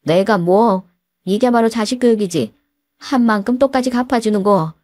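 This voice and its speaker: A petulant, childish husband in a radio story, voiced by a woman reader, snapping irritably and sulking. The voice is pitched a little above the reader's normal tone and pushed a touch louder, with a dry sound. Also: moderate pace, no room sound, natural voice.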